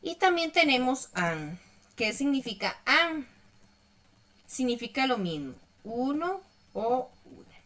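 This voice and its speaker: A woman's voice: high-pitched, sing-song, takes it slowly, a bit bright. A woman teaching an online English lesson, explaining patiently step by step and checking in often with her students.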